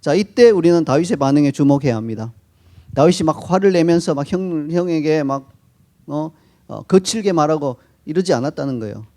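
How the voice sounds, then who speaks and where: A man preaching a sermon, explaining calmly and acting out short quoted lines. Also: fairly high pitch, brisk. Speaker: pastor.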